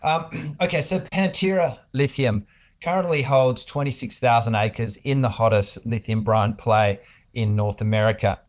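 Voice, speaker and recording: A man with an Australian accent appears as an executive guest in an informal business interview. His mid-range voice has fairly even intonation and normal speed, and he explains things hesitantly and conversationally.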